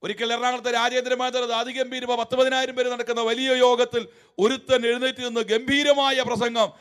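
A man preaching a sermon in a very high voice. He swings between loud, emphatic shouting and quiet, wry asides. He tells mocking, humorous stories along the way. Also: level tone, a little fast, smooth.

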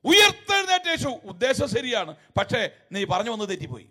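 A man preaching a sermon in a very high voice. He swings between loud, emphatic shouting and quiet, wry asides. He tells mocking, humorous stories along the way. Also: sing-song, a little fast.

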